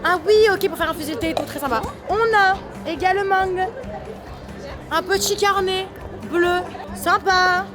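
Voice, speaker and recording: Bubbly woman vlogger, high bright voice, chatty and playful, music and crowd noise behind. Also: unhurried. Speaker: vlogger host. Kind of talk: casual vlog chat.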